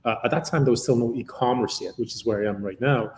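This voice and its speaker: A man's voice: mid-range voice, fast talker, darkish tone, echoey room, slight background noise. A man in his fifties from Uganda, a company founder giving a long, rambling interview answer full of "uh" fillers. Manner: long-winded, many "uh" fillers.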